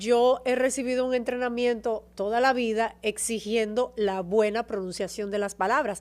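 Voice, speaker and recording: Her voice is fairly high for a woman, with fairly even intonation at a moderate pace. The recording is very clean, with a silent background. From Dominican Republic. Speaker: TV presenter and actress. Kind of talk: interview conversation.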